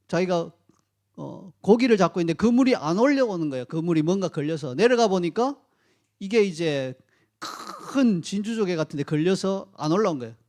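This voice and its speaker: A male pastor giving a sermon in a conversational, animated way, speaking directly to his congregation and telling stories. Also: sits high, moderate pace. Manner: animated storytelling.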